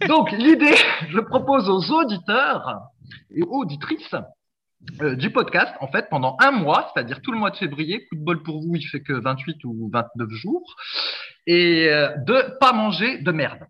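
A man's voice: high voice, very animated, a little slow. A man chatting casually as a podcast co-host, rambling with frequent hesitations and restarts. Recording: dull lo-fi sound.

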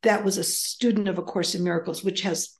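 A woman's voice: lowish voice, fairly even intonation, a little fast. An older woman whose first language is Greek, talking as a guest in a casual interview, rambling with frequent ums and restarts. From United States. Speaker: author and guest.

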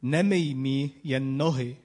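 A preacher reading the disciple Peter. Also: male voice, medium pitch, dark tone, in a large hall, close to an everyday voice. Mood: protesting. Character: Simon Peter, a startled eager male disciple.

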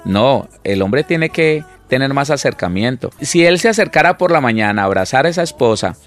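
A man's voice: medium pitch, expressive, brisk, fairly bright tone, soft background music. A man, a minister co-hosting a casual Christian talk show, acting out spouses in quoted lines and often repeating his words. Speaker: minister, co-host. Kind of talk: casual chat on a Christian program.

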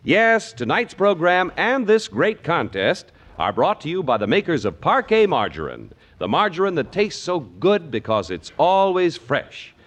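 A man's voice: a little high, wildly swooping pitch, a little slow, few pauses, fairly bright tone. A man announcing in the manner of a 1950s old-time radio announcer, with polished, emphatic sponsor reads on a vintage broadcast. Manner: emphatic, polished salesman delivery.

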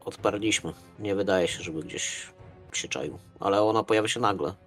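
Male tabletop player: low voice, hesitant, courteous improvised role-play, faint music underneath. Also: normal speed, fairly bright tone.

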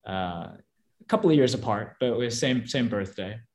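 A young man, an actor whose first language is Korean, answering interview questions thoughtfully, with frequent restarts and soft laughs. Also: mid-range voice, lively intonation, normal speed.

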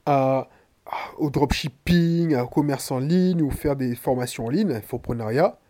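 A man's voice: mid-range voice, a little slow, warm tone. A man from Martinique with a head cold, a podcaster and coach talking bluntly and slangily straight to the listener in a casual monologue.

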